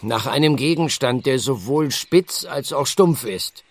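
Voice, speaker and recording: An actor playing a blunt, sardonic village doctor in a German radio play, dry and explanatory. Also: male voice, mid-range voice, animated, measured pace. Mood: matter-of-fact.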